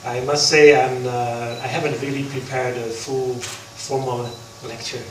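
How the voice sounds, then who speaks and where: A man from the Netherlands, a Buddhist monk, giving an unprepared talk at an interfaith forum, halting with many pauses. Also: medium pitch, little pitch movement. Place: large hall. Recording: echoey hall from far off, background noise.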